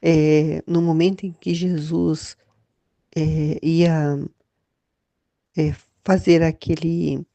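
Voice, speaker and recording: A Brazilian woman leads a Catholic devotional talk in a low, gravelly voice with a mellow tone. She speaks hesitantly, often restarting her sentences. The sound is dry and close. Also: level tone, very slow, pauses often, no echo. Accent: Brazilian Portuguese. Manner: hesitant, many restarts and fillers. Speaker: Catholic study leader. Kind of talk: devotional reflection.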